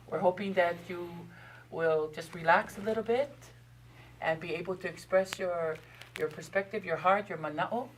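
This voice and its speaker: A woman moderating a forum, speaking in a gentle, welcoming way and using Hawaiian words. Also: lowish voice, a little hiss or hum, poor audio. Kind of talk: formal welcome and introductions. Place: TV studio.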